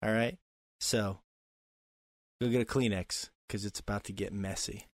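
A man's voice: fairly low pitch, steady tone, a little slow, no echo, clean studio sound. A man joking around as a podcast co-host, full of playful interruptions. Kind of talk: casual podcast chat.

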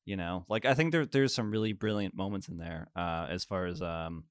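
Brief: young male podcast co-host, low pitch, rambling and giggly, dry close sound. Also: fairly quick, clean tone, no room sound. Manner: rambling, laughing, many fillers. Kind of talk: casual film review chat.

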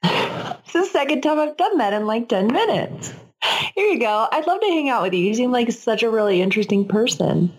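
A woman's voice: on the high side, expressive, moderate pace, voice pushed up, rough recording. Comedy sketch role: woman as a friendly, easily charmed young shopper, earnest and gushing.

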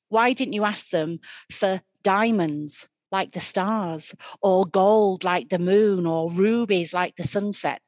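A woman's voice: medium pitch, darkish tone, slightly rough, dry recording. A woman storyteller voicing a greedy, scornful stepmother who scolds and then fawns in a sickly sweet voice. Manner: scolding, then fawning and sugary.

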